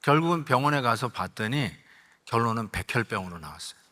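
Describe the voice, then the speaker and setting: A man's voice: mid-range voice, expressive, brisk, sharp tone. An older man preaching a sermon, telling a personal story in an emotional, conversational way, acting out quoted lines and dropping in English words. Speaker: pastor.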